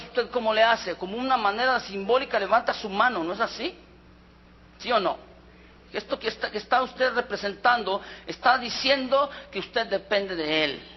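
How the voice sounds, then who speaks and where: A man's voice: high-pitched, moderate pace. A Mexican man preaching a sermon as a pastor, often asking the congregation questions. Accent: Mexican Spanish. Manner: asks the congregation frequent rhetorical questions. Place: church hall. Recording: reverberant hall with dull sound.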